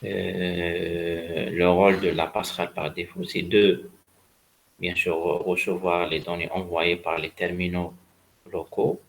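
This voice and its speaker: Low, gravelly male lecturer. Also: little pitch movement, unhurried. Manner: didactic, repeats key points for emphasis. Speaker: networking lecturer. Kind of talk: spoken university lecture.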